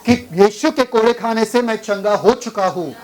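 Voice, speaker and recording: Man, pastor, lively sermon, fires questions at the congregation. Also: high voice, moderate pace, poor audio. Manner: questions the congregation and drives for answers.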